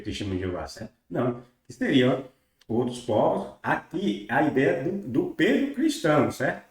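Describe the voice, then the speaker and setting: A man speaks in a dark, mellow tone, with strong echo all around him. He reads scripture passages slowly and deliberately, then breaks into loose commentary full of checking questions. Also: medium pitch. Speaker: religious text critic. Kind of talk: reading aloud and commenting on scripture. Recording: very echoey room.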